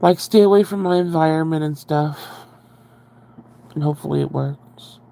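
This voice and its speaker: This livestream host rambles and chats with his viewers, greeting them in a congested, nasal voice. It sits a little high, warm yet gravelly with vocal fry, at a normal speed. He's pressed up close to the microphone, so you can hear him breathing.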